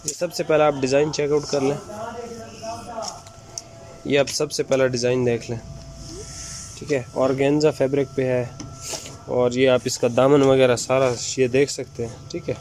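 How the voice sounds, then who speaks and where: A man with an unwell, sore-throated voice gives a casual online sales pitch item by item, repeating his catchphrases to viewers. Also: level tone, normal speed, pauses often, a little mellow. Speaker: shop presenter selling women's suits. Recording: clear background noise, room ambience.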